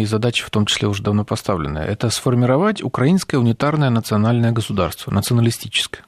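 A male commentator talks through political questions in long turns, pausing often on hesitation sounds. His voice is gravelly and a little husky, recorded dry and close. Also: mid-range voice, darkish tone, dry recording. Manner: long explanatory turns with frequent hesitation fillers. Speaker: studio guest, political commentator. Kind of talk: political talk show discussion.

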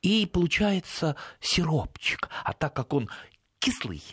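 A man's voice: fairly high pitch, very animated, a little slow, a bit bright, slightly rough, no echo, studio quality. A man giving gardening advice on a radio show, in a folksy, rambling way with many hesitations and restarts. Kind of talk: casual advice chat.

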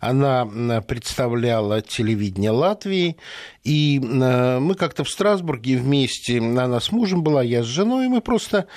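A man's voice: medium pitch, animated, normal speed, darkish tone, no room sound, clean studio sound. A man hosting a conversational interview who agrees often and backs up his guest with short affirmations.

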